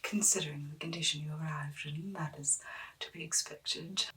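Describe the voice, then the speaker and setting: Eccentric clinic doctor played by a woman: low, breathy whisper, bright edge, soothing formal manner, ASMR roleplay. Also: fairly even intonation, distant mic, rough recording. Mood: reassuring, clinical. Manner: soothing, measured, formally polite. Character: gentle, eccentric female doctor at strange monster clinic.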